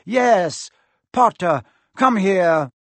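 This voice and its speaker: A man playing a desperate, shouting teacher. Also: a little high, a little slow, no room sound, voice pushed up, natural voice. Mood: urgent. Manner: loud, strained and urgent. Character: nervous, desperate male teacher serving a dark master.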